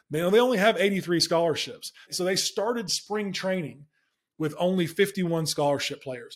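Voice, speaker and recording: A man's voice comes in at a high pitch. Its pitch variation is ordinary. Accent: Alabama. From US South, rural Alabama. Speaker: podcast host, wealth advisor. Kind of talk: solo commentary podcast.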